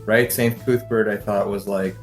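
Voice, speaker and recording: A man's voice: lowish voice, steady tone, normal speed, faint music behind. Informal man at a tabletop game. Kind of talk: casual improvised role-play chat.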